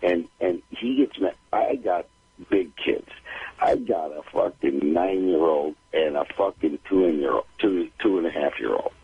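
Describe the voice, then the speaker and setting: Middle-aged man, very husky, creaky voice, rambling casual complaints, muffled phone line. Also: sits low, lively intonation, a little slow, no echo. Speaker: call-in guest, talent manager.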